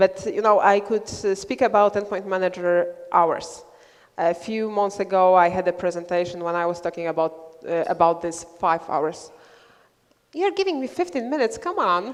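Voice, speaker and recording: At a moderate pace, a woman with a Polish accent talks at a medium pitch with ordinary pitch variation. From Poland. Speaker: software sales presenter. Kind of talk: conference presentation. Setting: seminar with audience. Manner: halting, many fillers.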